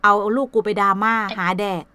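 A woman's voice: fairly quick, sharp tone, a little hiss or hum. An older woman talking casually in a blunt, coarse, scolding way. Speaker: vlogger. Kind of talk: casual chat. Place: Sweden.

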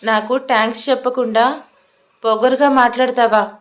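A woman voices a stubborn, arrogant young man from a storybook romance, curt and commanding as he gives orders and refuses to bend. Her pitch stays fairly high for a man, her intonation fairly even and her pace moderate, and the voice sounds natural while his stern, bossy manner holds throughout.

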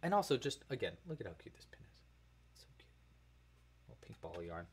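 A man's voice: fairly low pitch, very animated, quick pace, breathy edge. A young man hosting a casual livestream crochet tutorial from a home studio. He chats with viewers, thanks donors and counts his stitches aloud as he works.

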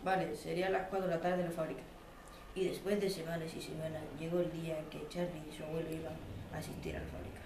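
Teen boy w spain accent reading a radio play script, quick, noisy echoey room. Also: a little high, flat delivery. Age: teenager. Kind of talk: scripted narration and dialogue, read aloud. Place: school classroom. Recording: roomy classroom, distant mic, clear noise.

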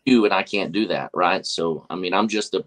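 A man's voice: low-pitched, brisk, fairly bright tone. A man in his forties from West Texas, a pastor speaking earnestly on a video call from his office, with many fillers and restarts. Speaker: pastor and guest. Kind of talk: casual video call conversation. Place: office with whiteboard, indoors. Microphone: webcam on video call.

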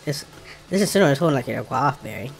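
A man's voice: mid-range voice, lively intonation, rapid-fire, vocal fry. A man with an African American English accent gives casual commentary while playing a video game, informally thinking aloud and muttering to himself. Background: game music.

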